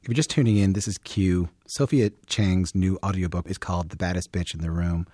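A man's voice: deep voice, steady tone, fairly quick, warm tone, no room sound, clean studio sound. A man hosting a radio interview who talks in an engaged, conversational way and often restarts his sentences. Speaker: radio host. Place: radio studio.

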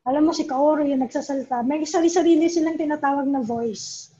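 A woman's voice: high-pitched, brisk, mellow, slight background noise. A woman, a comics writer, chatting as an interview guest and mixing English into her talk, often asking "di ba?". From Philippines. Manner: chatty, mixes English into Tagalog, keeps asking "di ba?". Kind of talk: casual conversational interview. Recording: dull lo-fi recording.

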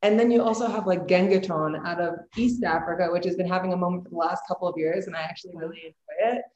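A woman's voice: on the low side, steady tone, fast talker, a little mellow, dull audio, slight background noise. A woman hosting a podcast in casual, enthusiastic and emphatic chat, peppering her sentences with filler words. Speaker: podcast host. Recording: echoey room.

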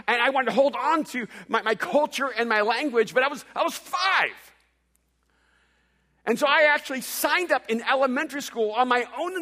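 A middle-aged pastor from El Salvador, Spanish his first language, preaching a sermon that swings from loud declaring to hushed quiet on a stage microphone. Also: very high voice. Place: large church hall.

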